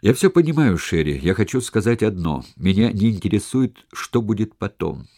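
A vengeful, hot-tempered former convict, acted out by a man narrating a novel spits out clipped, raging demands. The voice sits low and dark, close and dry with no room around it. He sounds ready to grab a sword. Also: very animated, fairly quick, no room sound. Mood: impatient. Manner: shouting, clipped angry outbursts. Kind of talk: audiobook character reading.

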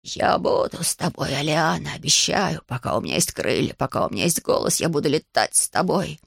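A storybook reader voicing a loyal young male dragon, speaking in a quiet, steady, solemn way. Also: mid-range voice, fairly quick, creaky, husky, no echo, clean studio sound, exaggerated voice.

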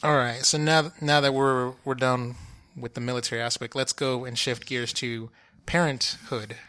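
A man hosts a casual podcast interview, asking questions in an easygoing, joking way. His voice is bright and mid-pitched. He swears freely. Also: level tone, normal speed, smooth. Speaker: podcast host.

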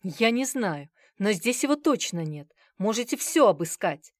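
A woman's voice: fairly high pitch, expressive, normal speed, no echo, studio quality, pitched above the performer's own voice, natural voice. A woman voicing a frightened male bar manager who stammers and pleads.

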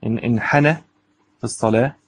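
A man with an Egyptian accent teaches from a classical legal text. His voice is husky and sits at a middle pitch. He moves between reading the book and explaining it in everyday speech, often asking a question and answering it himself. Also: steady tone, fast talker, no room sound. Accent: Egyptian Arabic. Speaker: Islamic law teacher.

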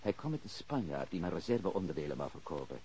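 An actor playing a guarded but cooperative Swiss-German immigrant car mechanic in a radio crime drama, speaking in short, simple sentences. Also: male voice, low-pitched, very animated, fast, dark tone, a little hiss or hum.

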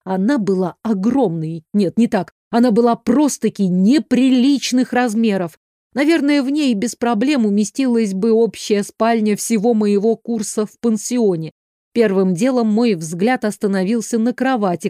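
A woman narrating an audiobook in first person, in a measured, expressive reading on a close mic. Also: mid-range voice, dry recording.

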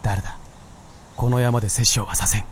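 A man's voice: fairly low pitch, steady tone, normal speed, a little hiss or hum, lightly acted. An actor playing a centuries-old male white fox spirit guarding a mountain, musing and solemn in a radio drama. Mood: stern, commanding.

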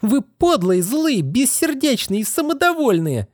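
A man's voice: high-pitched, very animated, moderate pace, a little mellow, dry recording, clean studio sound, voice pushed up. A man voicing a defiant, scornful young woman who speaks with contempt. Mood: furious. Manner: contemptuous, furious outbursts. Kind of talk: audiobook character reading.

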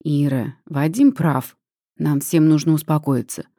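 Woman playing a low-voiced weary stepfather, soothing, placating, mellow. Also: steady tone, unhurried, no room sound, clean studio sound. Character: middle-aged stepfather, weary peacemaker.

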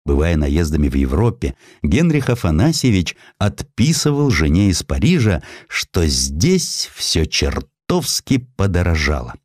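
A man with a deep voice gives a measured, expressive narration from a script. His intonation swings widely, and the studio recording is dry and close. The delivery stays steady and deliberate. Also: no echo. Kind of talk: scripted audio drama narration.

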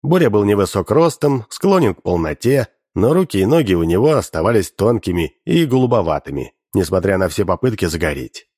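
A man reading a story aloud in a wry, expressive way, close to a studio mic. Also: fairly low pitch, fairly quick, hardly any pauses, slightly rough, no echo. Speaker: audiobook narrator. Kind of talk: expressive scripted story narration.

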